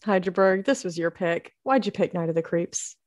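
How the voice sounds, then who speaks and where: A woman's voice: lowish voice, moderate pace, no room sound. A woman from Florida hosting a podcast, chatty and giggly as she steers the casual talk. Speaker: podcast host. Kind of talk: casual chat.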